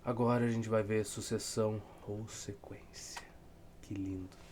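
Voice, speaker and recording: Low-voiced southern Brazilian man tutoring casually. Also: level tone, measured pace, a little mellow, a little hiss or hum. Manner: informal, rambling, self-deprecating, dry humour. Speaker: math tutor. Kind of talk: casual lesson, solving textbook problems aloud.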